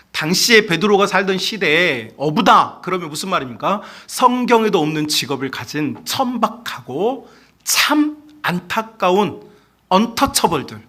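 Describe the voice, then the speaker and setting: A man delivers a sermon from the pulpit in a high voice that swoops up and down. He preaches with animation, turning to the congregation with questions and slipping into other voices for quoted speech. His tone is bright and forward. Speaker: pastor.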